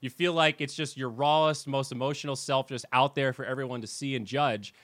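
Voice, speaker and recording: Bright-voiced man, chatty and candid. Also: medium pitch, brisk, no echo. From United States. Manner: animated storyteller who swears and restarts sentences. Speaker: podcast host and esports commentator. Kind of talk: casual interview chat.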